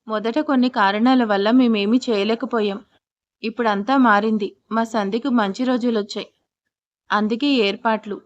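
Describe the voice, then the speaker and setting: Doting storybook mother, read by a woman narrator: warm coaxing tone, raised pitch. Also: steady tone, normal speed, dull audio, lightly acted. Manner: affectionate, coaxing. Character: fond middle-aged mother, doting and relieved.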